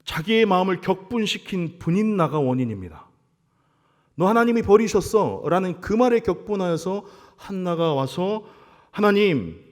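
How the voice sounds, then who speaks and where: A man preaching as pastor at a midweek church service, acting out quotes in a lively way. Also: high voice. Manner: animated preaching with acted-out quotes. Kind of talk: sermon. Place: church sanctuary. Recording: church hall reverb.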